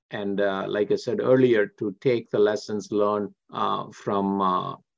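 In an Indian accent, a man speaks at a fairly low pitch with fairly even intonation. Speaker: tech entrepreneur and film producer. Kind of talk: interview.

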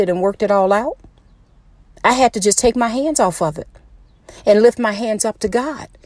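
Recorded with a dry, close sound and no echo, a woman with a Southern US accent talks fairly quickly in an animated tone, her fairly high pitch showing ordinary variation. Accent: Southern American. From US South. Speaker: podcast host, inspirational speaker. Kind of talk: motivational monologue. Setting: in a car. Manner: loud.

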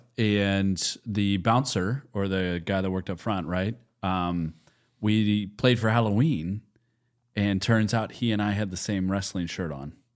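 In a very clean recording with a silent background, a man with an ordinary speaking voice talks at a fairly slow pace, fairly low in pitch, with ordinary pitch variation. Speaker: podcast co-host and band member. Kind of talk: casual chat. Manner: jokey, laid-back.

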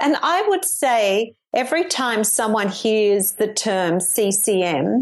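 Speaking at a very slow pace, a woman with a medium pitch talks with an Australian accent. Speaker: podcast host and voice educator. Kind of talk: interview conversation.

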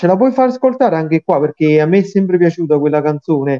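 Talking fairly quickly at a high pitch, a man with a dark, mellow tone and ordinary pitch variation sounds dry and close, with no echo. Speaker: poet and commentator.

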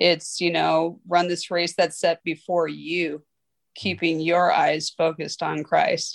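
A woman speaks in a plain, everyday voice, fairly low in pitch and fairly slow, with fairly even intonation and a dry, close sound with no echo. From Southern California (Riverside). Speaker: punk band bass player. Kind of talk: interview testimony.

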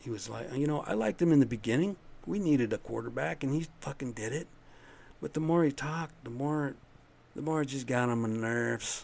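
A man talks at a fairly quick pace. His pitch variation is ordinary. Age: 60s. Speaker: podcast host. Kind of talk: casual monologue. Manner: animated.

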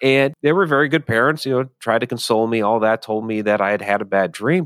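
Recorded very cleanly against a silent background with a dry, close sound and no echo, a man with an ordinary speaking voice talks at a fairly low pitch and a fairly quick pace. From Massachusetts. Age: 40s. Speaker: paranormal author and investigator. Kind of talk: casual interview.

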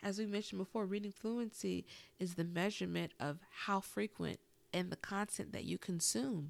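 On a very clean recording with a silent background, a woman speaks in an ordinary speaking voice at medium pitch and a moderate pace, with ordinary pitch variation. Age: 20s. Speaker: librarian podcast host. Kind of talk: casual solo podcast talk. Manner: laughs often.

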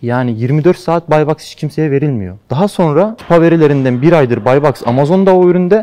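A man's fairly high, dark and mellow voice with lively intonation, big swings in loudness and hardly any pauses. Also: moderate pace. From Ardahan, northeastern Turkey. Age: 20s. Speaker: online seller. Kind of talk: interview.

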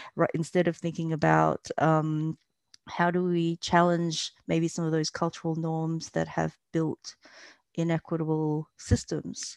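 Against a quiet background, a woman with an Australian accent speaks at a moderate pace in a fairly low, flat monotone, recorded with a dry, close sound and no echo. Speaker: educator. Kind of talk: interview.

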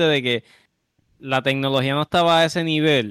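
With ordinary pitch variation, this man's voice sits fairly high. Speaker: podcast host. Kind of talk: casual chat.

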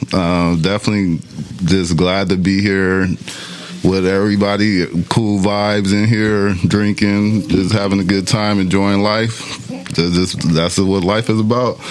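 A man with an American accent speaks at a fairly slow pace in a fairly low pitch, with monotone, flat intonation and very even loudness. Room echo is audible, along with noticeable background noise. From Long Beach, California. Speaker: podcast guest. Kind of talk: casual chat.

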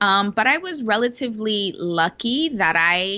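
A woman with an American accent talks at a fairly slow pace in a plain, everyday voice. Her fairly high pitch has lively intonation. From New York City, the Bronx. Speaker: financial coach. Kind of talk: casual interview.

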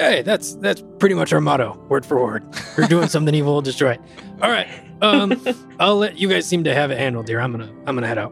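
Over clear background music, a man performs a raspy, put-on character voice with a fairly high pitch. He moves at a fairly quick pace. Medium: actual play. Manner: casual, offhand.

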